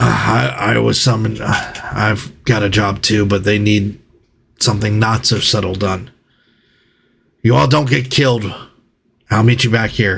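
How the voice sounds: A man in a put-on character voice speaks at a moderate pace with a husky, raspy, fairly low pitch, very even loudness, and long, frequent pauses.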